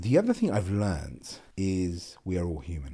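Speaking with a London accent, a man has a very deep, low pitch, a dark, mellow tone and ordinary pitch variation, set against a quiet background. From South London, England. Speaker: entrepreneur, magazine co-founder; podcast guest. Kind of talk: casual interview. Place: home room. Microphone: studio mic.

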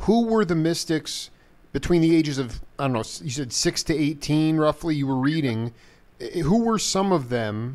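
The recording is very clean, with a silent background. A man with a fairly high voice speaks at a moderate pace with lively intonation. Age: 40s. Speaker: radio talk show host. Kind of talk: interview. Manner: halting, many fillers.

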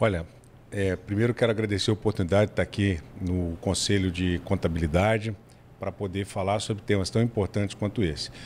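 Fairly low in pitch, a man talks at a fairly quick pace with fairly even intonation in a plain, everyday voice. Light background noise can be heard. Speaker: candidate. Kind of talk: interview answer. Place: meeting room. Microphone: handheld.

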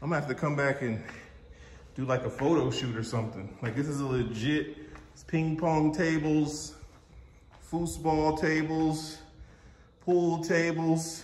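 A man talks at a fairly slow pace with ordinary pitch variation and long, frequent pauses. Room echo is audible. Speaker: vlogger touring site. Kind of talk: casual vlog chat. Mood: excited, impressed. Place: hall. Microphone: phone near.

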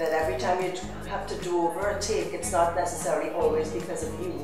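A woman's voice carries strong room echo, with clear music playing in the background. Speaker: acting workshop coach. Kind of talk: interview answer. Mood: reflective, earnest. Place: studio.

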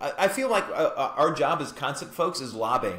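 A man with an American accent talks at a moderate pace in an animated tone with lively intonation. Audible room echo surrounds his voice. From Texas, The Woodlands area; Texas. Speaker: motion designer and director; podcast guest. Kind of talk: casual interview chat. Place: home room. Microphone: earbuds.

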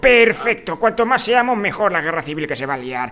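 A man uses a put-on character voice, high-pitched, raised and projected, theatrical in tone, with very wide pitch swings at a fairly quick pace over light background noise. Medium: role play. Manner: exaggerated, theatrical.

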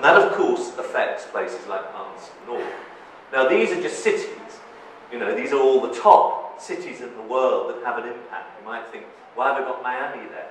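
A man talks at a moderate pace amid light background noise, with audible room echo around him. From from abroad, not New Zealand. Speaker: visiting urban consultant and speaker. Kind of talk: public lecture. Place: hall.

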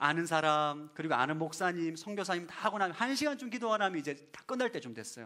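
A man speaks in a bright, sharp tone with a high pitch and very wide pitch swings. His pace is fairly quick, over a quiet background. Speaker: pastor. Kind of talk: sermon. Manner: animated. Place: church. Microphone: headset.

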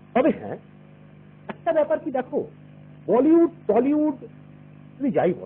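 Lively in intonation and with big swings in loudness, a man speaks at an extremely high pitch. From West Bengal, Gazole in Malda district. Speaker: film actor. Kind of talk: interview.

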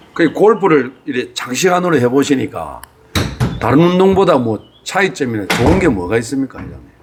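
Over noticeable background noise, a man talks at a fairly quick pace in a fairly high pitch, his pitch swinging very widely. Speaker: golf instructor, channel host. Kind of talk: interviewer questions.

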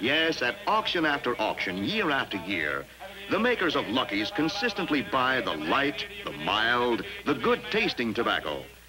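With music in the background, a man with an American accent speaks at a fairly slow pace with very wide pitch swings. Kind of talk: vintage TV commercial announcer read. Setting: 1950s broadcast recording.

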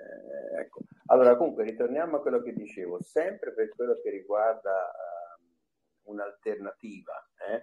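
A man speaks at a moderate pace, pausing often and at length. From Italy. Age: 60s. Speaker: podcast host and author; podcast host. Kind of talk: casual online talk with Q&A. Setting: online call. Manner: halting, many repetitions. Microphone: video call.

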